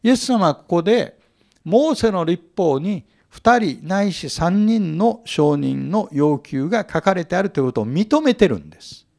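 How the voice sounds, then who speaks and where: A man's voice: sits high, lively intonation, moderate pace, gravelly, darkish tone. A man teaching a Bible lecture, explaining the text and asking his audience rhetorical questions.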